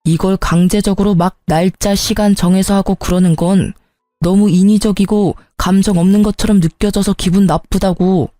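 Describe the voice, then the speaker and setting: A defensive, grumbling husband, put on by a woman reading a story aloud. He whines and makes excuses in a slightly lowered, mellow voice. The sound is close and dry, with faint music underneath. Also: steady tone, normal speed, no echo, close to an everyday voice. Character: irritable hungover married man. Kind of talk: storybook narration voicing a character.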